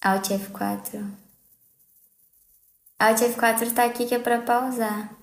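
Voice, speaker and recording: Livestreaming from a small indoor room at home, a young Brazilian-accented woman keeps things casual and playful. She speaks slowly in a rather high, creaky voice with a level tone, and the space echoes.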